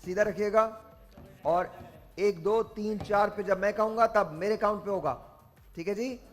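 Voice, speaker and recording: A man's voice: high-pitched, normal speed. A man with a Pakistani accent hosting a game show, lecturing contestants sternly and slipping into English phrases.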